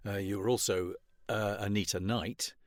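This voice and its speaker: A man's voice: fairly low pitch, fairly even intonation, normal speed, no room sound, studio quality. A middle-aged man hosting a casual podcast interview, chatting with his guest. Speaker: podcast host and fellow voice actor.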